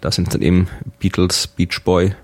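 A man's voice: low voice, completely flat delivery, normal speed, darkish tone, dry recording. A man in casual chat, hesitant with many fillers and dry jokes.

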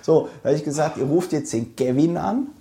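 A man's voice: a little high, lively intonation, mellow. A man as a podcast guest, telling blunt anecdotes in a casual conversation, speeding up in bursts. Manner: brash anecdotal storytelling, fast bursts.

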